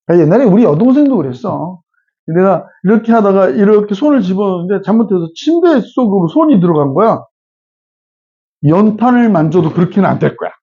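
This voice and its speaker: Lively, chatty middle-aged male math teacher. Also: high-pitched, highs cut off. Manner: chatty, checks in with students often. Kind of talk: classroom lecture with casual digressions.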